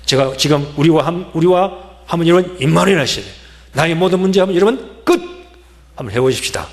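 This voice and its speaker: A man's voice: fairly high pitch, expressive, fast. A male pastor preaching an emphatic sermon and leading his congregation in call-and-response chants. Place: church sanctuary. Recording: church hall reverb.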